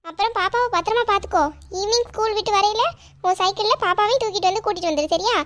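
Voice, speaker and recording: Woman doing a loud bossy cartoon mom, very high pitched, sharp scolding tone. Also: racing. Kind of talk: cartoon voice acting.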